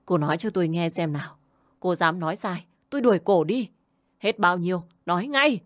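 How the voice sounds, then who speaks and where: A woman voicing a furious older mother-in-law who wails and shouts as she scolds. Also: fairly low pitch, fairly quick, no room sound, studio quality, lightly acted. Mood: raging.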